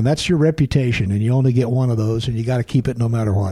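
A man with an American accent has a dark, mellow, somewhat breathy tone at medium pitch with ordinary pitch variation. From US Midwest, small-town Illinois. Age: 70s. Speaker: real estate developer and entrepreneur. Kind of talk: casual interview. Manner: halting, repeats words.

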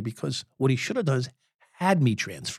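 A man in a New York accent with vocal fry, lively intonation and a moderate pace. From Long Island, New York. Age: 60s. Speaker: former police officer. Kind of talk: interview storytelling.

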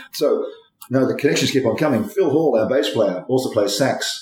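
A man's pitch varies in an ordinary way while noticeable background noise plays behind him. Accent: Australian. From Brisbane, Australia. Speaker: musician. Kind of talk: interview.

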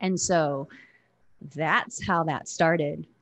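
A woman with an American accent speaks in a plain, everyday voice at a fairly low pitch. Her intonation is fairly even, and the background is quiet. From Chicago, US Midwest. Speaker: video production entrepreneur. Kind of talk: casual interview chat.

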